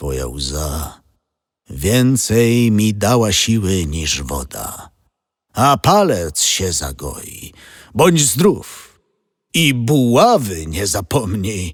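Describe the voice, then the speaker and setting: In a put-on character voice, a man speaks at a very slow pace and fairly low pitch with very wide pitch swings, on a very clean recording with a silent background. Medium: read story.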